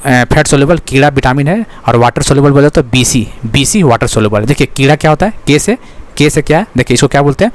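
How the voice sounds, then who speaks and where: A man teaching an exam-prep lesson, repeating his own questions to the class and filling with frequent checks like "okay". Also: medium pitch. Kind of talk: fast exam-prep lecture.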